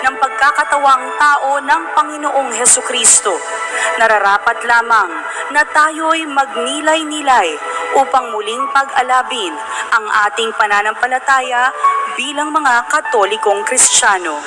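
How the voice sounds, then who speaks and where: A woman's voice: high-pitched, measured pace. A woman with a Filipino accent hosting a religious broadcast, reading solemn scripted narration in a formal, reverent way. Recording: background music under the voice. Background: music.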